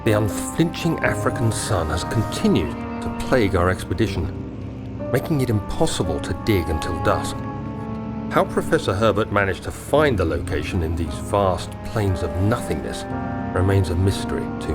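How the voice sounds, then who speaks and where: An actor with an English accent playing an earnest, anxious young gentleman explorer in a video game, with measured, literate diction. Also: deep voice. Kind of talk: dramatic diary narration in a video game. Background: music.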